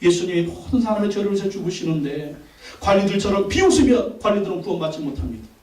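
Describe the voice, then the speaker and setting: A man's voice: high voice, expressive, fast talker, a little mellow, far from the mic. A male pastor preaching a Sunday sermon with emphasis, repeating his phrases and asking the congregation questions. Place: church sanctuary. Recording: echoey church hall, voice from off-mic.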